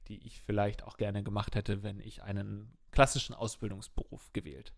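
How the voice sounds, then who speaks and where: A man's voice: fairly low pitch, completely flat delivery, normal speed, gravelly. A man co-hosting a podcast, talking in a casual, rambling and jokey way. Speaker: podcast co-host. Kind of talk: casual chat.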